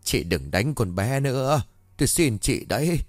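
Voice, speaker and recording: A kindly grandmother over seventy, played by a man in a spoken ghost story. She pleads and comforts gently, her voice frail. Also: mid-range voice, big pitch swings, a little slow, no echo. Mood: imploring. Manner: gentle, imploring. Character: frail, kindly old grandmother with weak eyes.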